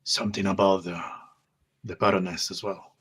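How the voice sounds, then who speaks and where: A man playing a tabletop roleplaying game, speaking haltingly and deliberately as his character and describing his gestures. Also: deep voice, little pitch movement, a bit bright, slightly rough. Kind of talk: in-character roleplay mixed with first-person narration.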